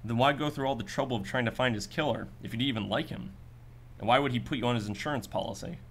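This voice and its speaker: A man's voice: medium pitch, quick pace, a little hiss or hum, close to an everyday voice. A man playing a skeptical, businesslike detective in a radio drama, asking clipped, matter-of-fact questions. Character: hard-boiled male detective, probing, skeptical, businesslike.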